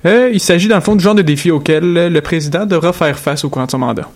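A young man talks through a radio news recap, stumbling over restarts and fillers as he goes. His voice sits a bit high for a man. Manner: halting, many fillers and restarts. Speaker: news segment presenter.

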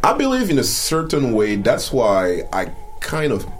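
Male podcast host from Cameroon, loose rambling delivery, lively swinging pitch, faint music under him. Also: normal speed. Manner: loose, rambling, many fillers and restarts. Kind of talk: casual chat.

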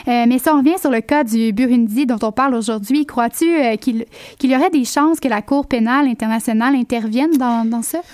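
A woman's voice: on the high side, a little fast, darkish tone, dry recording, clean studio sound. A woman hosting a radio magazine, asking curious, prompting questions. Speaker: radio show host.

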